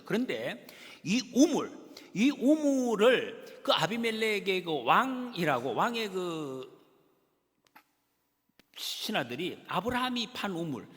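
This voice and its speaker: A middle-aged man preaches to his congregation in a bright, fairly high voice that rises and falls widely. He drives points home with questions, moving from forceful emphasis to quiet asides. His voice carries a long reverb from the church sanctuary. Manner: emphatic preaching with rhetorical questions, swings from loud to hushed. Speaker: pastor. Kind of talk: sermon.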